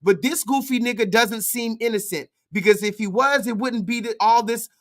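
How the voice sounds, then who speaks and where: A man's voice: very high voice, normal speed, a bit bright. A man doing casual livestream commentary on a video, sarcastic and incredulous, repeating his points for emphasis.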